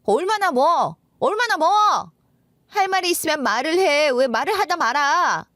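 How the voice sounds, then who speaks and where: A shrill, furious working wife, played by a woman in a story radio drama. She fires off complaint after complaint in a high voice that jumps wildly up and down. The sound is close and dry. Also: very animated, pushed and bright, no room sound, heavily acted. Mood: angry scolding. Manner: shrill, scolding, rapid-fire complaints. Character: angry exhausted working mother, a wife.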